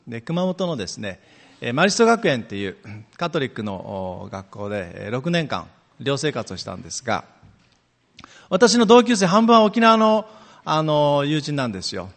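Man from amami oshima, middle-aged, guest preacher, fairly high voice, very lively pitch, chatty storytelling, long church reverb. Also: moderate pace, creaky. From Amami Oshima, Japan. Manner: chatty, animated storytelling with many fillers. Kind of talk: sermon with personal stories.

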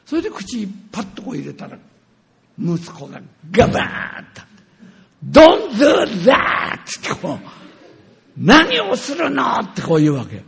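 Older man preaching with lively, gravelly voice. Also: fairly high pitch, brisk. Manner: animated, acts out scenes with sound words. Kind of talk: storytelling sermon testimony.

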